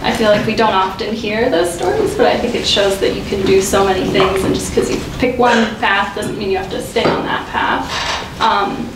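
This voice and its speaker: A woman's voice: medium pitch, normal speed, hardly any pauses. A young woman moderating a panel discussion, friendly and full of "um"s. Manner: friendly, with frequent "um"s. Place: lecture room with whiteboards. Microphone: room mic from a distance. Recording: echoey room, distant mic, noisy.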